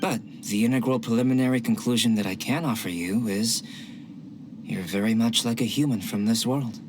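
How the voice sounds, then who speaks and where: A man voicing a calm young male alchemist, curious and scholarly, who speaks in a measured, soft, philosophical way in game voice acting. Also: mid-range voice, background noise, close to an everyday voice. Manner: measured, softly spoken, philosophical. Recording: game audio with clear music behind.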